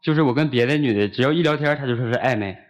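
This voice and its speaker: A man's voice: medium pitch, very fast. A man from Liaoning, a guest who protests and defends himself against his girlfriend's complaints. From Liaoning, China. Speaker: guest on dating show.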